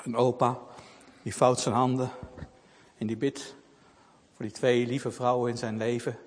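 A man reading a Christian children's story aloud with expressive delivery. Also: medium pitch, measured pace. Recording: long reverb.

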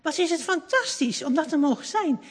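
A woman's voice: high-pitched, very animated, measured pace, fairly bright tone, heavily acted. A woman voicing an earnest young boy who plays a shepherd, as she reads a children's story aloud. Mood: awed. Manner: earnest, wondering. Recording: long hall reverb.

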